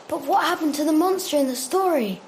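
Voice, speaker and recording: A woman's voice: high voice, fairly quick, a little mellow, slight background noise, close to an everyday voice. A woman playing an innocent little boy with a childlike, pleading way of talking in a horror audio drama. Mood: pleading, curious.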